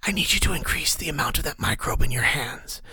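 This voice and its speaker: A man whispering as an urgent high mentor voice. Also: expressive, fairly quick, pushed and bright, dry recording, exaggerated voice. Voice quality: breathy whisper. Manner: insistent, instructive.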